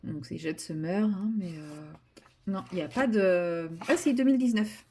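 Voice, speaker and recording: A woman's voice: fairly low pitch, normal speed, darkish tone, husky. Brief: woman vlogger, casual rambling chat at home, lots of ums and restarts. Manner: chatty, rambling, many fillers and restarts.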